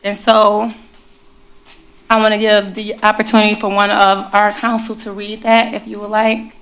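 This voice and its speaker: Bright-voiced woman chairing a council meeting. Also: mid-range voice, monotone, normal speed. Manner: chatty, warm asides to the room. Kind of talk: presiding over a public meeting, reading a proclamation. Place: council chamber. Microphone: desk microphone.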